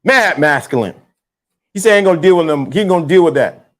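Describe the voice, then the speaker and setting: A man hosting a live stream, talking loosely and repeating himself in slangy, animated casual commentary. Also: on the high side, quick pace.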